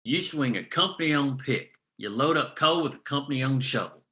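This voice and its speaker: A man playing a gruff, world-weary, foul-mouthed veteran coal miner in a screenplay table read, with a sardonic, folksy delivery. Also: mid-range voice, expressive, normal speed, sharp tone. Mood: bitter.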